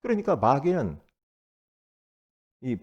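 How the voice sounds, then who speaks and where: A man preaching as pastor, moving between loud emphatic bursts and low asides, and at times leading the congregation in repeating his words. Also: big pitch swings, slow, lo-fi sound. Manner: calls the congregation to repeat after him. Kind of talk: sermon.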